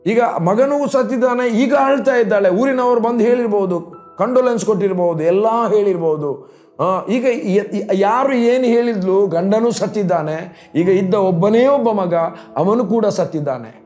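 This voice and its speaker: A man's voice: high voice, normal speed, darkish tone, soft background music. A man preaching a sermon as a pastor, telling a story and acting out quoted pleas.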